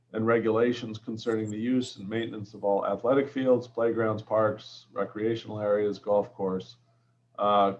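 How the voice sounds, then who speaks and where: A man with a Boston-area accent speaking at a town commission meeting, halting with many fillers. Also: on the low side. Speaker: commission member. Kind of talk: casual meeting talk. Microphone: video call. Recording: muffled video call audio.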